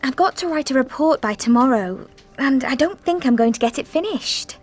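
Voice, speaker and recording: A woman's voice: high voice, expressive, moderate pace, soft background music. A woman performing a scripted office dialogue for an English course, talking in a fretful, complaining way. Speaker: dialogue actor in course audio. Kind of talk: scripted role-play dialogue.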